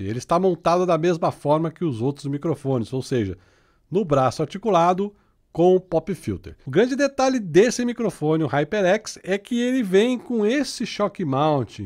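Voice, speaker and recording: A man talks at a moderate pace with a high pitch and very wide pitch swings. The background is quiet. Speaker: tech YouTuber. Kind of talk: tutorial. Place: home room. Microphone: studio mic.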